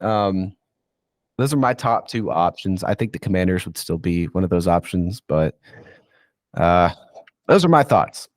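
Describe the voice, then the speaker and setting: A man's voice: low-pitched, expressive, a little slow, long pauses, dry recording, studio quality. A man with a stuffy, congested voice from being sick, talking in a rambling, rant-prone way as a guest football insider on a casual sports chat. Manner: rambling, rant-prone, says "dude" and "okay".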